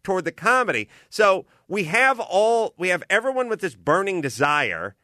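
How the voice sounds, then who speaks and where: Lively, rambling male podcast host. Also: high voice, moderate pace, dry recording, clean studio sound. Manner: rambling, animated storyteller. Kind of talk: casual chat.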